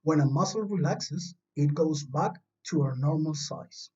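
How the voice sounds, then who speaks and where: Slow, mellow teacher. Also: medium pitch. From Chile. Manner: patient, simple explaining tone, reassuring pupils. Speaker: primary school science teacher. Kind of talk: recorded remote lesson for young children. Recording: distant, dull lo-fi home recording.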